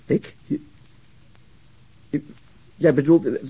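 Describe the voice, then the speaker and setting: An actor playing a meek, hesitant middle-aged father with a husky voice and a Netherlands Dutch accent in a radio drama, speaking haltingly and evasively. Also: a little high, steady tone, warm tone, muffled recording, exaggerated voice. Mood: awkward, hesitant.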